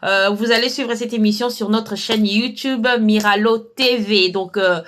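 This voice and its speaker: A woman's voice: medium pitch, steady tone, a little slow, fairly bright tone. A woman informally hosting a live online Christian show, with hesitant, repetitive phrasing. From lives in Belgium. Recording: clear background noise.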